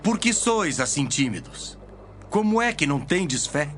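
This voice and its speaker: Solemn Jesus teaching, over loud music. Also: male voice, on the high side, sing-song. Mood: reproving. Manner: solemn, measured, declamatory. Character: Jesus, solemn teacher telling parables to followers. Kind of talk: dramatized audio Bible reading.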